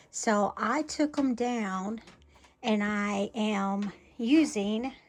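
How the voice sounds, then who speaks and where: Fairly high female pitch, varying in an ordinary way. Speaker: DIY home vlogger. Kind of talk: casual DIY walkthrough.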